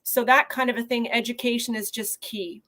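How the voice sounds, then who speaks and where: A woman neonatologist from Canada answering interview questions over a video call in an earnest, measured way. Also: a little high, steady tone, a bit bright. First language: not Portuguese. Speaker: neonatologist guest.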